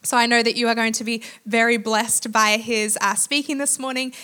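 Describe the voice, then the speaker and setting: Bright-voiced woman introducing a preacher. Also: fairly high pitch, flat delivery, smooth. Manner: warm, with frequent "uh" pauses, slows for scripture. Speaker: church leader introducing the speaker. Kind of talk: introduction and scripture reading.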